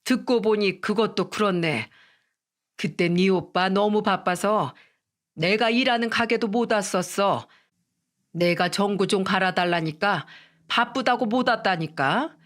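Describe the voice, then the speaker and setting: Domineering older mother-in-law, slow scornful scolding, played by the woman narrator. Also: medium pitch, close to an everyday voice.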